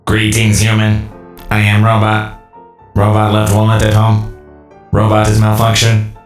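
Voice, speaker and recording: A man putting on a stiff robot voice, speaking in flat, clipped, loud phrases. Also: lowish voice, a little slow, roomy sound, far from the mic, soft background music, pitched above the performer's own voice, close to an everyday voice. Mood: robotic. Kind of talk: comic story narration with acted bits.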